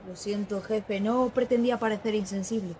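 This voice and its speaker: A woman's voice: medium pitch, steady tone, moderate pace, warm tone, a little hiss or hum, close to an everyday voice, poor audio. An actress in her twenties playing a naive, eager young woman reporter in a radio drama. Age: 20s.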